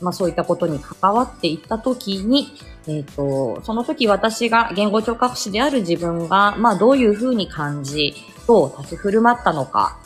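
Woman from aomori chatting on a morning stream, lots of ums and little laughs, soft music under her. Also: medium pitch, expressive, moderate pace. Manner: chatty, many fillers, laughs often. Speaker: livestream host and speech therapist. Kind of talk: casual morning livestream chat reading comments.

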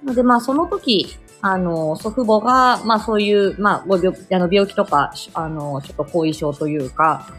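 A woman's voice: mid-range voice, moderate pace, few pauses, fairly bright tone, soft background music. A middle-aged woman from Aomori, a speech therapist, chatting casually on a morning livestream and answering listener comments, with lots of fillers and laughs.

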